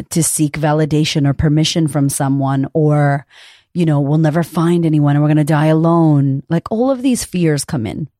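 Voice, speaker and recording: A woman in her thirties with a low, raspy voice hosts her podcast as a confidence coach. Her tone is mellow and unhurried, and she talks straight to the listener in a frank, encouraging way, cursing now and then. The sound is close and dry. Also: no echo. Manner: frank, profane and encouraging, addresses listener directly. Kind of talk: casual podcast monologue.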